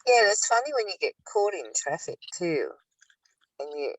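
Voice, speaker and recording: Older female, low register, reflective study-group speaker, slightly distant mic. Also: big pitch swings, normal speed, breathy edge. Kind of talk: reading aloud and reflective discussion. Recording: roomy, distant microphone.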